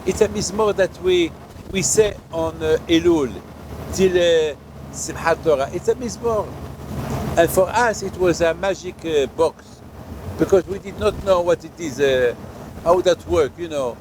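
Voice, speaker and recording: An older man from Morocco, a rabbi giving a sermon outdoors in a halting way, with many fillers and restarts. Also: a little high, noisy background. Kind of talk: sermon at a holy site.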